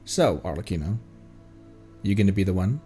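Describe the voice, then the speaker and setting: A man's voice: sits low, animated, moderate pace, warm tone, soft background music. A man chatting casually on a live game stream, thanking viewers and laughing often.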